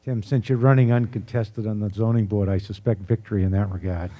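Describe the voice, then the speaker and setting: A man's voice: lowish voice, fairly even intonation, brisk, dull audio. A man moderating a public forum, briefly handing over from one speaker to the next.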